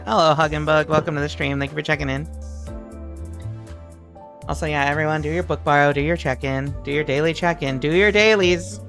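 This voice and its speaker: Brief: chatty livestream host, mid-pitched, joking, faint game music underneath. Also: fairly even intonation, brisk, a bit bright. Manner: chatty, joking, talks to chat. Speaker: streamer. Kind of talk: casual livestream chat over a game.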